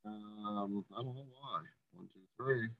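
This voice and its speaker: A man's voice: on the low side, a little slow, creaky, soft background music. A male host chatting loosely on a video call whose audio glitches and breaks up. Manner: loose, rambling, full of restarts. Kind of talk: casual business chat over a call. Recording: lo-fi video call with faint noise.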